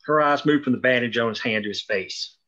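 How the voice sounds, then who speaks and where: A man with a middle-pitched voice reads scripted stage directions for a drama. The recording is a little muffled and lo-fi. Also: brisk, fairly bright tone. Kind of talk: scripted narration.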